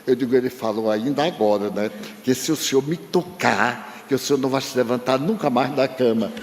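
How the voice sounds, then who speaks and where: An older man speaks to a congregation in a large hall, his voice carrying a long reverb. He tells a personal story with emotion, voicing the dialogue in turn. His pitch sits in a middle range for a man. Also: fairly quick, background noise. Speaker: spiritist speaker. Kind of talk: storytelling lecture.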